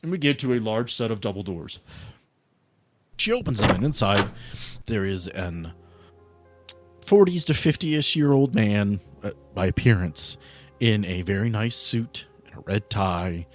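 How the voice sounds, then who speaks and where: A man's voice: on the low side, expressive, measured pace, long pauses. Casting: male game master, improvised narration, casual conversational tone, music bed. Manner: conversational, informal.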